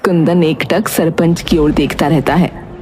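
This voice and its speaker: A woman's voice: low-pitched, steady tone, measured pace, darkish tone, slight background noise. A woman reading scripted narration of a dramatic moral story. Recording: music under the voice. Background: music.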